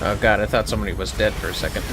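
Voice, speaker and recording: Against a noisy background, a livestreaming gamer speaks rapid-fire in a lowish, fairly even voice. He chats casually while playing an online game, blunt and sprinkled with swearing.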